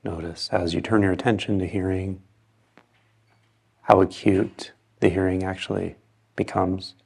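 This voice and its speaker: Male meditation guide, low and steady with little pitch movement, calm short phrases and long pauses. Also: vocal fry, husky.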